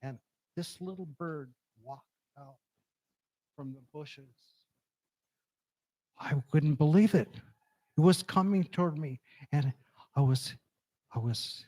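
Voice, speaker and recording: A man with a low voice telling a story at a church gathering, talking slowly and haltingly, searching for words after strokes. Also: dark tone. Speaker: congregation member sharing a story. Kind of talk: halting personal testimony. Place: church hall. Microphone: handheld microphone.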